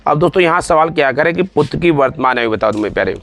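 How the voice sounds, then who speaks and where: A man's voice: on the high side, expressive, fast talker, fairly bright tone. A man in his forties teaching exam-prep math, talking students through each step, repeating himself and calling them friends and dear ones. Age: 40s.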